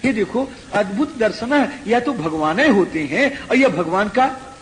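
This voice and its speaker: A man giving a devotional scripture discourse, chanting verses and then explaining them in a lively, rhetorical way. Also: sits high, measured pace. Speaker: scripture reciter. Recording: long hall reverb, faint background noise.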